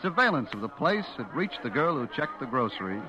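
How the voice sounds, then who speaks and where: A man's voice: medium pitch, big pitch swings, brisk, bright, forceful tone. An actor playing a brash, lovestruck young American supermarket clerk, telling his story confidingly in slangy radio suspense style. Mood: confiding, wry. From eastern United States. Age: young adult. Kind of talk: 1950s radio suspense acting, first-person narration. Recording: dull vintage radio recording with music.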